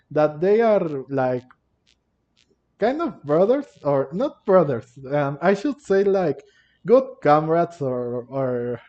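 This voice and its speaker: Slow, halting man with a Hispanic accent. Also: on the high side, darkish tone. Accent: Hispanic Spanish. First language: Spanish. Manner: halting, repeats and rephrases himself, switches languages. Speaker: gameplay commentator. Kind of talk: casual game commentary explaining story dialogue. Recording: dull lo-fi mic over game music. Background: game music.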